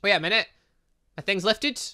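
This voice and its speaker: A gaming YouTuber talks his way through a visual novel, musing aloud and reading the game's text with playful little sound effects. His voice is high-pitched and sharp, at a moderate pace.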